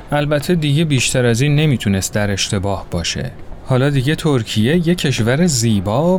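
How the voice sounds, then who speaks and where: Expressive male storyteller. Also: mid-range voice, slight background noise. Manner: expressive, voices characters. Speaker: narrator. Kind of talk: storytelling narration.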